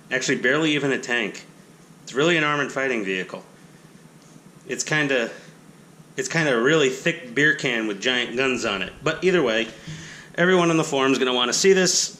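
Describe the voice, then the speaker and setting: Casual nasal man, bright and forward, rambling unboxing chat, picked up by an action camera. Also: mid-range voice, slight background noise. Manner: rambling, self-deprecating, chatty. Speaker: hobby channel host.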